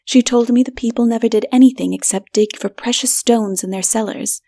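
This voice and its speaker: A woman's voice: a little high, brisk, dark tone. A woman reading a story aloud as dramatic, scripted audiobook narration.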